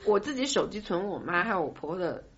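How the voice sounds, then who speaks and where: A woman's voice: lowish voice, expressive, fast talker, a bit bright. A woman co-hosting a podcast, chatting casually with wry, dry humour. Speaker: podcast co-host. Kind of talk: casual group chat. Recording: dull lo-fi sound, faint noise.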